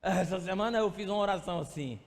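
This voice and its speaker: Very high-voiced male pastor in reverberant church. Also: fast. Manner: conversational, addresses congregation by name; acts out stories with quoted voices. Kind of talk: sermon. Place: church sanctuary. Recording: long church hall reverb.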